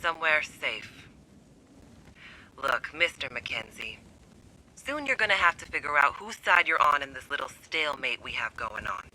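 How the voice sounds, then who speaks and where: Sharp, taunting, suspicious holdout. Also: male voice, a little high, big pitch swings, normal speed, a little hiss or hum, heavily acted, rough recording. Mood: cagey, taunting. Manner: taunting, sardonic, swearing. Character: defiant, suspicious escaped-prison holdout, sardonic man. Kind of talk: video game voice acting.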